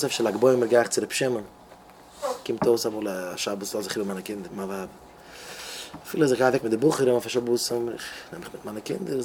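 An excitable man with a Hasidic Yiddish accent preaches a sermon, his voice sitting at an ordinary middle pitch. He tells his stories with lively energy and keeps restarting his phrases. A faint hiss of noise runs under the recording. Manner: excitable, animated storytelling with many restarts. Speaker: rabbi.

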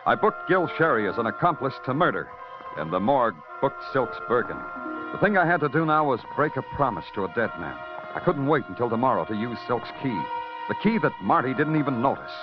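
A man's voice: mid-range voice, sing-song, a little fast, lightly acted. A man playing a hard-boiled detective who narrates in a terse, sardonic noir manner, in 1950s radio drama style. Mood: narrating. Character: hard-boiled male police detective, dry and wisecracking. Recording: dull vintage radio recording with music.

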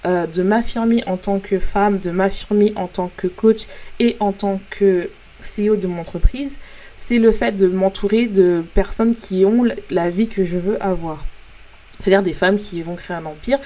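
French woman coach hosting her own podcast, warm and mellow tone, earnest, talks straight to listeners. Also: mid-range voice. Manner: earnest, frank, many fillers and restarts. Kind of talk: casual motivational monologue.

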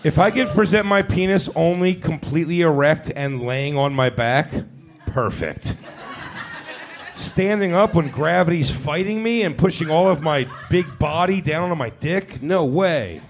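A man's voice: a little high, expressive, unhurried. Blunt, crude-joking man on a club stage. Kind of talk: live comedy panel banter. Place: comedy club stage before a live audience.

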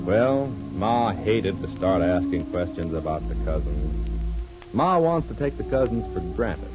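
A man announcing on an old radio broadcast, pitching a product and then narrating the soap opera in an emphatic, selling manner. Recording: dull lo-fi old radio recording, faint music.

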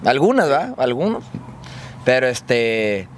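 A man's voice: mid-range voice, very animated, a little slow, slight background noise. A man with a northern Mexican accent, chatting casually on a podcast in slang, full of fillers. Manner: slangy, proud, uses fillers. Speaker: podcast co-host. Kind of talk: casual chat.

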